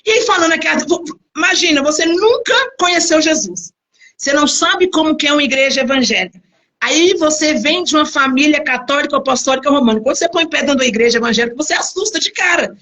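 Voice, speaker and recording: A middle-aged woman pastor giving a personal testimony, telling her story in a lively way and acting out the people in it. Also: sits high, fast. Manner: animated storytelling, acts out quoted people.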